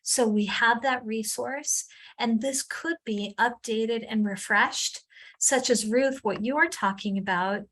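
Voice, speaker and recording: A woman's voice: on the high side, takes it slowly, fairly bright tone, poor audio. A woman facilitating an online meeting in a friendly, informal way with some fillers.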